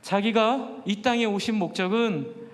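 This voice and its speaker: A man's voice: high-pitched, unhurried. A male pastor preaching a Sunday sermon, fervent and emphatic, throwing rhetorical questions at the congregation. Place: church sanctuary. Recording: long reverb of a church hall.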